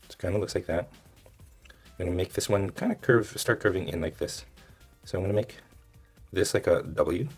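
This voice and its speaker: A man who is a little hoarse, giving casual step-by-step drawing instruction and thinking aloud as he demonstrates. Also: deep voice, normal speed, faint music behind. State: hoarse, losing his voice. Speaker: drawing tutorial host.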